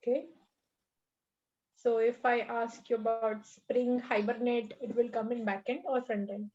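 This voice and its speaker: Indian hr lady on a video call, kinda high voice, muffled audio, firm and coaching. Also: little pitch movement, a little slow, darkish tone. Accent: Indian English. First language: Marathi. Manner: firm, coaching, lecturing tone with repeated checks. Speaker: HR interviewer. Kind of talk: mock job interview over video call.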